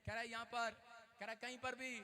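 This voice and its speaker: A man from Haryana preaching in church, shouting calls to the congregation and telling jokey stories. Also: very high voice, level tone, fairly quick. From Haryana, India. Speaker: pastor. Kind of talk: lively preaching with call-and-response. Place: church service.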